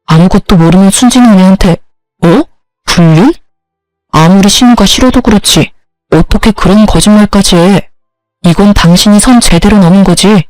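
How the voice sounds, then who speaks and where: A woman's voice: medium pitch, normal speed, darkish tone, no echo, faint music behind, close to an everyday voice, rough recording. A woman voicing a husband who pleads and defends his sister, in a storybook reading. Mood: angry.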